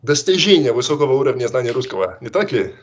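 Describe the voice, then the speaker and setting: A man's voice: mid-range voice, big pitch swings, fast talker, slightly rough. A young man hosting a casual conversation, asking questions and steering the talk.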